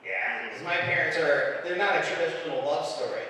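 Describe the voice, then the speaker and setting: A middle-aged man performing an animated stand-up routine, telling stories about his family. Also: a little high, brisk, a little hiss or hum. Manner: animated storyteller, bursts into shouting impressions. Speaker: stand-up comedian. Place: comedy club stage. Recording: echoey club heard from far off.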